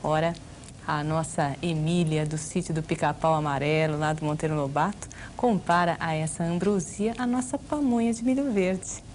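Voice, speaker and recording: A woman's voice: deep voice, steady tone, moderate pace, darkish tone, slight background noise. A woman with a Brazilian accent teaching a grammar video lesson, explaining patiently and asking rhetorical questions. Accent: Brazilian Portuguese. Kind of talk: video lesson for exam prep.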